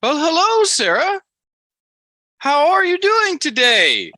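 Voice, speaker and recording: A man's voice: extremely high pitch, huge pitch swings, takes it slowly, bright, forceful tone, dry recording, voice pushed up, exaggerated voice. A man putting on a prim, overly polite old-fashioned Amish man, speaking in a genteel sing-song.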